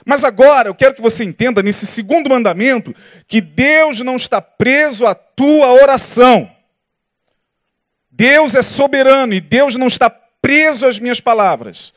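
A man's voice: very high voice, normal speed, a bit bright, dry recording, clean studio sound. A man with a Brazilian Portuguese accent preaching a sermon as pastor, peppering the congregation with rhetorical questions. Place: church service with congregation.

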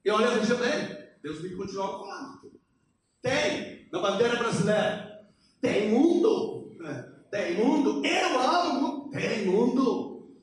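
Male missionary preacher, Polish accent, halting non-native Portuguese, high voice, emphatic sermon delivery, heavy room echo. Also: expressive. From Poland. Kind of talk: impassioned church sermon. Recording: very echoey hall, distant, faint noise.

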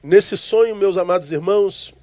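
High-voiced Brazilian pastor, emotional sermon. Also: male voice, moderate pace, mellow, dry recording. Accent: Brazilian, from Rio de Janeiro. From Rio de Janeiro, Brazil. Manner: emotional, repeats words for emphasis. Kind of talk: sermon with a personal story.

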